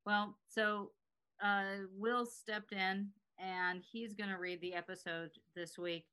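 American lady hosting a podcast, bright crisp tone, tiny bit of southern, just chatting. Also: mid-range voice, level tone, takes it slowly. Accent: American, faint Southern. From South Carolina, US. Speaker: podcast host. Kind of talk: casual chat.

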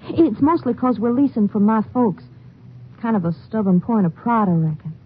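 An anxious, folksy young wife, tinny radio. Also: female voice, on the high side, expressive, normal speed, husky. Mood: worried, sheepish. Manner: hesitant, folksy, apologetic. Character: young, anxious small-town wife and new mother. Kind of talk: 1950s western radio drama acting. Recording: tinny, noisy vintage radio broadcast.

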